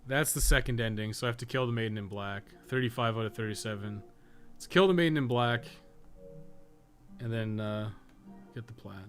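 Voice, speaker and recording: A man's voice: mid-range voice, brisk, long pauses, faint music behind. A man giving casual, rambling gameplay commentary on a stream, swearing and muttering asides to himself as he plays. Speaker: podcast co-host playing a game on a live stream.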